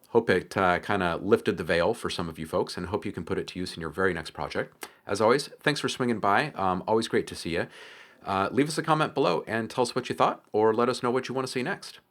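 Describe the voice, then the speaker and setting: A man hosting a casual software tutorial, explaining things informally with frequent hesitations. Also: sits low. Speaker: tutorial host.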